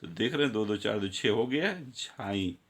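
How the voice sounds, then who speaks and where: A man's voice: on the low side, animated, moderate pace, husky. A male teacher giving a grammar lesson, counting syllables aloud and speaking directly to his students.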